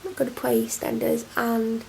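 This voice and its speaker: A young woman with a cold talks into her camera at home, rambling and self-deprecating. Her voice sits a little high with a gravelly fry at the ends of phrases, and a faint hiss runs behind her. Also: level tone, normal speed, mellow, rough recording. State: congested, snotty from a cold. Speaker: vlogger. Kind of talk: casual chatty vlog to camera. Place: at home, indoors. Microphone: camera mic.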